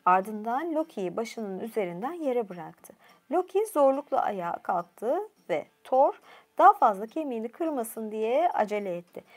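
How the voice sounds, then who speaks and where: A woman storyteller reading a myth aloud, expressive, with a few casual asides. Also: fairly high pitch, unhurried. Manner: expressive, occasional aside comments.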